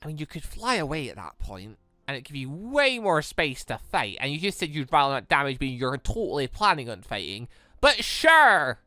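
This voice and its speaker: A man commenting on a visual novel playthrough as a gaming host, talking in animated, rambling explanations. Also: on the high side, normal speed, no room sound, faint music behind.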